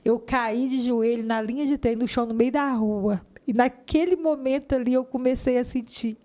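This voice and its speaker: A woman's voice: a little high, moderate pace, dark tone. A woman giving a fervent religious testimony in an interview, sometimes acting out the voices of people in her story.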